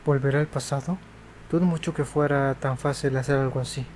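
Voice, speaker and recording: A man's voice: medium pitch, steady tone, fast, a little mellow, a little hiss or hum. A man with a Mexican accent doing casual playthrough commentary and reading game dialogue aloud.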